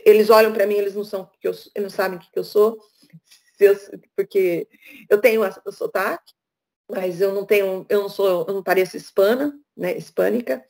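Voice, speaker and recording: A woman's voice: medium pitch, steady tone, brisk, vocal fry, a little mellow. A middle-aged woman from Brazil, speaking as a guest speaker over a video call, frank and chatty. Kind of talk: casual talk on a video call.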